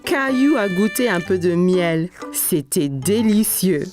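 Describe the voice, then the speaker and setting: Animated storybook narrator. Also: female voice, lowish voice, takes it slowly, music in the background. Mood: storytelling. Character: gentle storyteller narrating a small boy's day. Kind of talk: scripted storybook narration for a children's cartoon.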